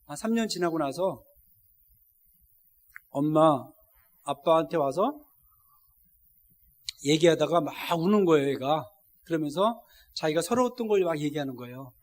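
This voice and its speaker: A man's voice: fairly high pitch, lively intonation, moderate pace, long pauses. A middle-aged man preaching a sermon as a missionary, telling a story with feeling and speaking straight to the congregation. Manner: emotional storytelling, directly addressing the congregation. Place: church service.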